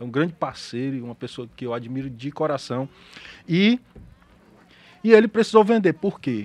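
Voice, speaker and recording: A man's fairly high voice with very wide pitch swings and big jumps in loudness, long, frequent pauses, and a dry sound with no echo. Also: moderate pace. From Viçosa do Ceará, Brazil; Brazil. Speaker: real estate broker; podcast guest. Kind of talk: casual interview. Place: studio. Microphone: studio mic.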